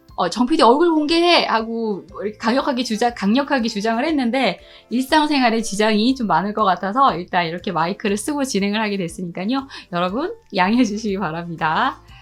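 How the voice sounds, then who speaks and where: Over music in the background, a woman speaks at a fairly high pitch and fairly quick pace with lively intonation. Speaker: history YouTube storyteller. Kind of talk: casual talk to camera.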